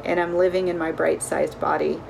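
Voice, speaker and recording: A woman's voice: low-pitched, level tone, fairly quick, vocal fry, darkish tone, a little hiss or hum, low-quality recording. A woman from Texas sharing an upbeat, straightforward testimony. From Texas, USA. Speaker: program member sharing testimony. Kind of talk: casual home video testimony.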